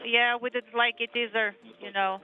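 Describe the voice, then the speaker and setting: A man speaking as a mission control communicator over a tinny space-to-ground radio line, measured and procedural, repeating call signs. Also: very high-pitched, flat delivery. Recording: tinny narrow radio band with faint music.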